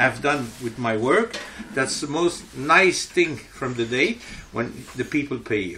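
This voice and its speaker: Noticeable background noise surrounds a man with a non-native accent. He speaks at a very slow pace. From Belgium. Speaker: blacksmith. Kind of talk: interview. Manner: halting.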